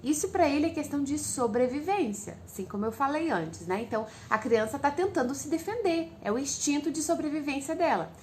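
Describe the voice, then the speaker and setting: A Brazilian Portuguese-accented woman gives parents advice in a relaxed, instructive way. Her voice sits a little high. She explains each point patiently and speaks straight to the listener. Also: a little fast, few pauses, a little hiss or hum. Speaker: parenting educator. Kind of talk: casual instructive talk to parents.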